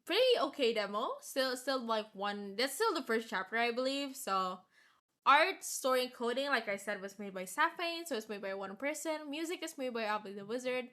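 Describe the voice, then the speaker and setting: A woman's voice: fairly high pitch, animated, normal speed, pushed and bright. A woman game streamer reading visual novel narration aloud and commenting casually. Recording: music behind the voice. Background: game music.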